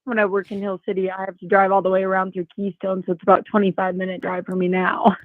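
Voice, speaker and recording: A woman's voice comes through a tinny, phone-thin speakerphone line with a weak signal. She chats in an easygoing, casual way at a middling pitch, laughing often. The sound is dry and close, with no room around it. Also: completely flat delivery, quick pace, no room sound. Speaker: guest on the phone. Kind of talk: casual chat. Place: rural home near the mountains.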